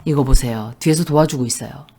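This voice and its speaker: A woman's voice: very deep voice, fast talker, warm tone, breathy edge. A woman giving a tarot reading in a monologue, making blunt, emphatic predictions. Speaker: tarot reader.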